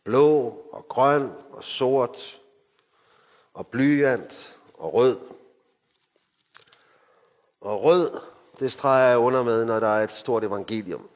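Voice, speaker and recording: A man from Denmark preaching a sermon, moving between emphatic lines and hushed, solemn ones. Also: mid-range voice, pauses often. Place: mission hall. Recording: hall reverb.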